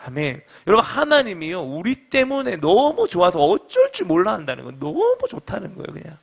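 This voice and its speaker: A middle-aged man preaching with fervent conviction, his voice sitting notably high for a man. He calls out to the congregation, pauses for their replies, and leads them through readings with steady energy. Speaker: pastor. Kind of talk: sermon.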